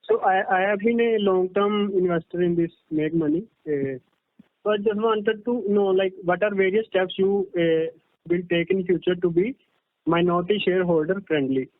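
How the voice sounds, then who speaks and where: A male caller with an Indian accent asks questions as an investor. He sounds hesitant, and his pitch is high. The telephone audio is thin and very dry. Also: normal speed, dry recording. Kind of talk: asking questions on a conference call. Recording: dry, tinny phone line.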